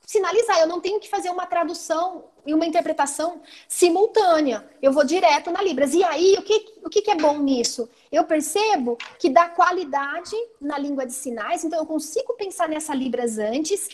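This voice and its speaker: High-voiced Brazilian woman teacher. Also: brisk, few pauses. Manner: lively, explanatory, frequent "né" tags. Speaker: teacher trainer. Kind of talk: online teacher training talk.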